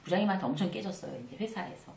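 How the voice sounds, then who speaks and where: A woman's voice: mid-range voice, rapid-fire, gravelly. A middle-aged woman giving a casual lecture on workplace life, acting out small dialogues as she goes. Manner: conversational, acts out little dialogues with animated asides. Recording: roomy, slightly distant mic.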